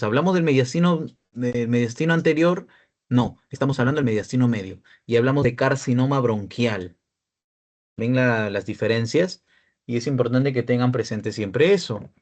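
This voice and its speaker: Young man tutoring radiology, gravelly voice. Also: mid-range voice. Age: young adult. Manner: explanatory, checks in often with "¿ya?" and "¿no?". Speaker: peer tutor. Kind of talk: online radiology lecture.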